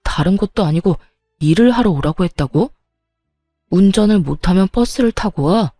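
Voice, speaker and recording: A woman voicing an exasperated young husband who shouts at his mother in a story drama. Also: medium pitch, animated, normal speed, dry recording, clean studio sound, soft background music, lightly acted. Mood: angry.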